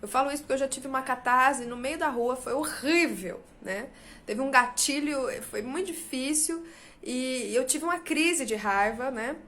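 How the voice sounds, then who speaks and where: A high-pitched woman in her thirties with a Brazilian Portuguese accent talks straight to her viewers. She is confiding and animated, tossing in little tag questions as she goes. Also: moderate pace. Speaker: astrologer and channel host. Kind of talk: casual personal talk to viewers.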